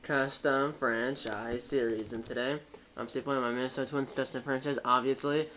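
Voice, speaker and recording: A man's voice: mid-range voice, fairly even intonation, normal speed, dull audio, a little hiss or hum. A young man with a stuffed-up, nasal voice hosting a gaming video, rambling casually with frequent restarts and self-corrections. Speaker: gaming channel host. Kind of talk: casual gameplay commentary.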